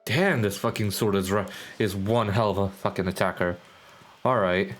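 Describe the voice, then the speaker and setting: A man's voice: lowish voice, fairly even intonation, normal speed, soft background music. A man streaming a video game live, casually commenting and swearing a lot.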